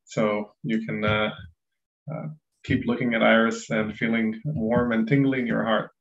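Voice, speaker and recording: A man from Ethiopia whose first language is Amharic, moderating an online panel in a measured way with many fillers. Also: on the low side, level tone, a bit bright. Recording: dull, echoey room sound.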